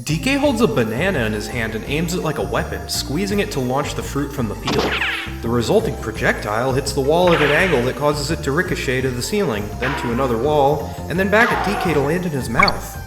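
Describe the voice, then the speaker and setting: A man's voice: medium pitch, very animated, fairly quick, loud music behind the voice, lightly acted. A man playing a curious, observant visitor, narrating an audio drama in the first person with a wry tone. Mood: impressed. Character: curious, observant, tactful adult male visitor. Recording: very echoey room, reverberant.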